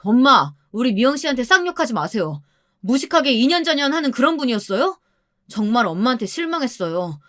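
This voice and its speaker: A woman's voice: mid-range voice, expressive, fairly quick, dry recording, natural voice. A woman reads a flustered young boyfriend in a radio story, urgent and pleading. She keeps close to her own plain voice. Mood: indignant. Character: anxious apologetic young man, the boyfriend.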